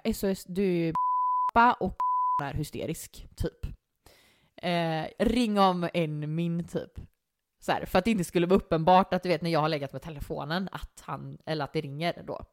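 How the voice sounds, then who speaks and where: A woman's voice: deep voice, dry recording, clean studio sound. A young woman telling a story in casual chat, acting out the quotes of the people in it. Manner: animated, acts out quotes. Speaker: guest.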